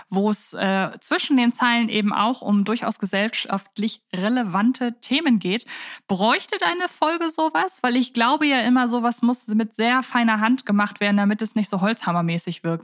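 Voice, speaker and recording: A woman hosting a podcast in a conversational style, speaking in an articulate, reflective way. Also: on the high side. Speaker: podcast host.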